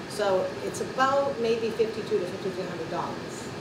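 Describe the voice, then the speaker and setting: A woman at a fairly quick pace with ordinary pitch variation over loud background noise. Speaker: senior center director giving report. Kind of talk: meeting report. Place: hall. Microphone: camera far.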